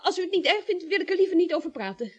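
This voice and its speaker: A stubborn young fiancée. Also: female voice, very high voice, expressive, very fast, highs cut off. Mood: reserved. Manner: prim, stubborn, quarrelsome. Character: stubborn young engaged woman. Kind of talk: radio play acting.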